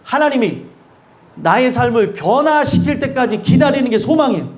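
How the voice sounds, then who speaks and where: A man preaches a sermon in an unusually high voice for a man, his pitch rising and falling widely. He talks to the congregation directly and keeps putting questions to them. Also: animated, normal speed. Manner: emphatic and conversational, often asking the congregation questions; acts out quoted speakers with sudden drops in pitch and loudness. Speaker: pastor.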